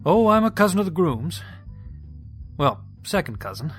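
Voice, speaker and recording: A man's voice: on the high side, big pitch swings, moderate pace, soft background music. An actor playing a chatty, self-deprecating, flirtatious man in a naturalistic audio drama.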